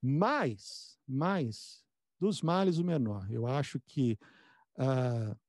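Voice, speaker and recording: Mellow-voiced man interviewing, close and dry. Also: mid-range voice, animated, dry recording. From born in the United States. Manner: halting, repeats words as he goes. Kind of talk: casual conversational interview.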